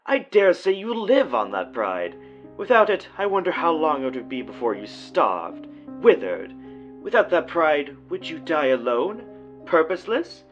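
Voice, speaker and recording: An actor playing a deranged, gloating villain in an audio drama, mockingly polite and theatrical, savoring florid phrases. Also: male voice, fairly high pitch, very animated, measured pace, dull audio, soft background music. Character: gloating, theatrical, deranged male villain taunting an old rival.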